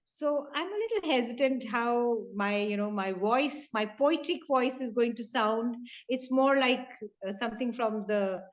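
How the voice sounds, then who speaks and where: A woman's voice: a little high, unhurried. A middle-aged woman from north India with an Indian English accent, a Punjabi native speaker, chatting as a poet guest with many fillers and light laughs. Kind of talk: casual video-call chat. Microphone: video call. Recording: dull lo-fi call audio.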